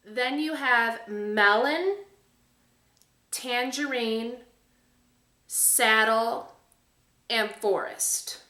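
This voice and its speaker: Female beauty vlogger, bright and emphatic, chatty review delivery in an echoey room. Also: a little high. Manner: enthusiastic, emphatic. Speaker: beauty video host. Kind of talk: casual product review to camera.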